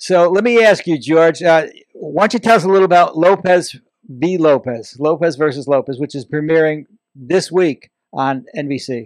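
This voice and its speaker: A man speaks in an ordinary speaking voice at a fairly high pitch and moderate pace. His pitch varies in an ordinary way over a quiet background. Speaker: podcast host. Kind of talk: casual chat. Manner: loud, excitable.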